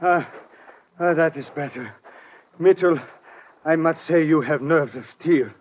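An actor playing an anxious, earnest foreign ally in a 1950s radio drama, with formal, excitable phrasing. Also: male voice, on the high side, measured pace, close to an everyday voice. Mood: relieved, puzzled. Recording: muffled, noisy vintage radio recording.

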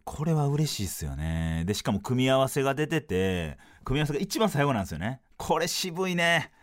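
Man, Kansai accent, podcast host, casual storytelling, very lively pitch, mid-range voice. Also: fairly quick. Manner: animated, sing-song delivery with swooping pitch.

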